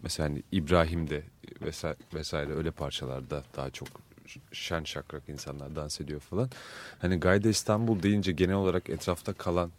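A man's voice: rumbling low, a little fast, slight background noise. A man hosting a radio interview, asking thoughtful, probing questions. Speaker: radio host. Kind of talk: casual interview.

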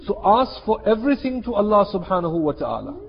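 A man's voice: high-pitched, big pitch swings, fast talker, creaky. A man preaching an Islamic sermon, emphatic and repeating key phrases, with Arabic and Urdu expressions mixed in. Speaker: Muslim preacher. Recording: muffled, reverberant hall sound.

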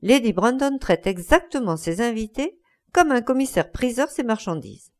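A woman's voice: a little high, animated, normal speed, a little mellow, natural voice. A woman reading aloud voicing a sincere young painter, speaking thoughtfully and earnestly.

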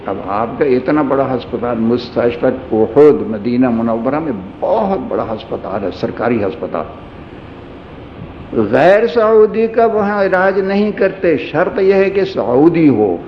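A man's voice: medium pitch, big pitch swings, slight background noise. A man giving a sermon, telling a humorous personal anecdote in a storytelling manner. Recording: echoey hall, dull lo-fi sound.

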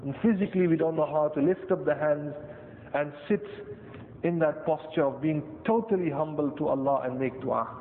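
South Asian-accented preacher in an echoey hall. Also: male voice. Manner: deliberate, pausing, short repeated phrases. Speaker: Muslim preacher. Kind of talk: sermon. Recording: tinny band-limited echoey hall, rumbly noise.

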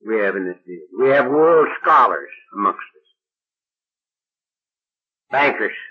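Folksy older man, husky old recording. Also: fairly low pitch, animated, takes it slowly, highs cut off. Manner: folksy, plain-spoken, dramatic retelling. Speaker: recovery meeting speaker. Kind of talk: storytelling talk to an audience.

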